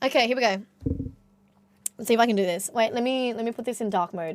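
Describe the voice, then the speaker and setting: Someone talks at a very fast pace in a strong Australian accent, with ordinary pitch variation. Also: woman. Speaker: video game streamer. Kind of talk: live stream chat. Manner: casual, animated.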